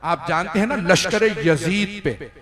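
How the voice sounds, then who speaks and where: Impassioned cleric in echoey hall. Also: male voice, high voice, a crowd in the background. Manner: impassioned, drawn-out delivery that swells to cries. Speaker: maulana reciting a majlis. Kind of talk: emotional Muharram majlis recitation.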